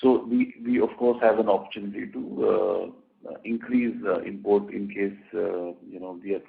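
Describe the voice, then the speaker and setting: A man speaking as a company executive, answering questions on an earnings call in careful, halting phrases. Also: fairly low pitch, flat delivery, gravelly. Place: telephone conference call. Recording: narrowband phone line.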